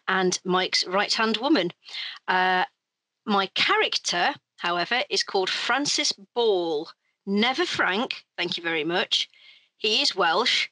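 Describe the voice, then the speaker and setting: A woman playing a tabletop role-playing game, chatting briskly about her character and speaking as him. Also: on the low side, bright, forceful tone, no echo, poor audio. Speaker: player.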